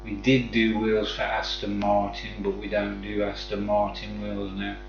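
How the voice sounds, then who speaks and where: Slow-talking man with a Black Country accent. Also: lowish voice, completely flat delivery, vocal fry. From West Midlands, England. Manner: friendly, matey address to viewers. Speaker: live streamer chatting with viewers. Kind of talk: casual chat. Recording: dull sound, echoey room, faint music.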